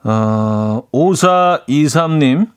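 A man's voice: medium pitch, lively intonation, very slow, smooth, no echo. A man hosting a radio show in a casual, chatty way, laughing at his own jokes and reading out listener messages in a studio. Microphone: studio microphone.

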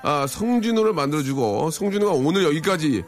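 A middle-aged man hosting a radio show, talking casually and teasing his guest with many quick "yes, yes" replies. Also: fairly high pitch, lively intonation. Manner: playful, teasing, lots of short "ye, ye" backchannels.

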